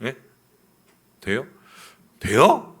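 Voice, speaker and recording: A man's voice: medium pitch, huge pitch swings, drawn-out words, a bit bright, slightly rough. A man, a pastor, preaching a sermon in a church, asking his congregation questions and acting out complaints. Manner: acts out quoted complaints in a raised voice. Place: church sanctuary.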